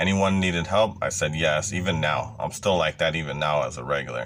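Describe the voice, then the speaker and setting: This man talks with vocal fry and ordinary pitch variation. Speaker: mail carrier. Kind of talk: casual vlog advice. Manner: hesitant, many fillers.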